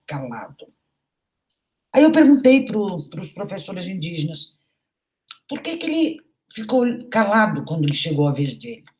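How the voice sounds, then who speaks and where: A woman's voice: fairly low pitch, a little mellow. A middle-aged woman, a university professor, giving a recorded lecture in an anecdotal, storytelling way with frequent conversational tags.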